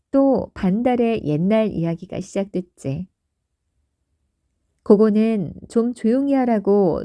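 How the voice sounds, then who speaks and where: Slow, soothing woman telling a bedtime story. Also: medium pitch, no room sound, studio quality. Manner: soft, soothing, lilting. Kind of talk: calm bedtime story narration.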